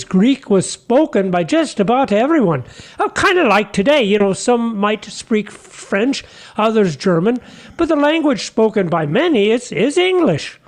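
An actor playing a humble, folksy fisherman apostle in a comic radio sketch, earnest and chatty, halting over his words. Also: high-pitched, full character voice. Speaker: guest character.

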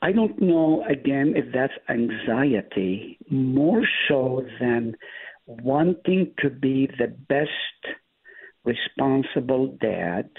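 A man's voice: medium pitch, lively intonation, takes it slowly, husky. A man from the Middle East, a native Hebrew speaker, speaking as a guest pastor and explaining scripture emphatically. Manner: emphatic, explaining with rising stress. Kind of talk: Bible study discussion. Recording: tinny phone-line audio.

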